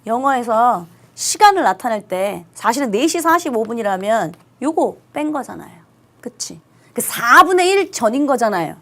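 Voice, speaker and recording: A woman teaching an online English lesson to high school students, speaking emphatically and stretching out stressed English words. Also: sing-song, normal speed, a bit bright.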